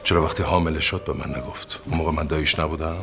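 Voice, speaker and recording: An actor playing a stubborn, sarcastic uncle in a period TV drama, blustering and indignant. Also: male voice, a bass voice, fairly even intonation, vocal fry, over music. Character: stubborn sarcastic middle-aged uncle, innkeeper host.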